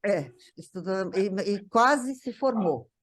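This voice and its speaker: An older woman speaks at a middling pitch. She reminisces conversationally, circling back and repeating small words while she looks for the right phrase. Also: lively intonation, unhurried. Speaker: guest recalling a parent's life.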